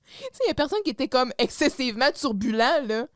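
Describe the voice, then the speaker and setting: A woman's voice: high-pitched, animated, fast talker, no room sound. Québécois woman recapping a show, dry. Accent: Québécois French. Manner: acts out characters' lines loudly while retelling scenes. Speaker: podcast co-host. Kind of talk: casual recap chat.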